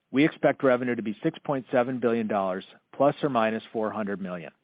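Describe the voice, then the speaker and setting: A man's voice: on the low side, dry recording. Dull-sounding conference-call man, formal and scripted. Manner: formal, measured corporate delivery. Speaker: company finance executive. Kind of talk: scripted earnings call presentation.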